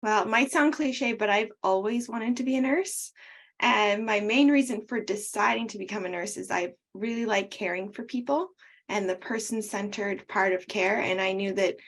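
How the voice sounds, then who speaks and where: A woman's voice: medium pitch, normal speed, a bit bright. A young woman from Ontario, a nursing student, answering in a straightforward, earnest way. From Ontario, Canada. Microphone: video call.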